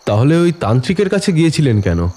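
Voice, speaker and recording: A man's voice: fairly high pitch, sing-song, fast talker, warm tone. A man playing a tantric holy man, solemnly narrating his uncanny adventures in a dramatic first-person horror story. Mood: solemn, suspenseful. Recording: music bed under the voice. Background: dramatic music.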